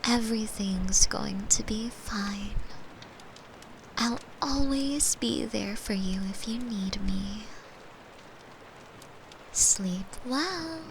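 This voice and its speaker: A woman playing a caring, playful girlfriend in a soft, tender, breathy bedtime ASMR roleplay. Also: mid-range voice, background noise. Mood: tender, soothing. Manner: soft, slow, tender, often breathy and whispering. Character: caring, playful girlfriend soothing her partner to sleep.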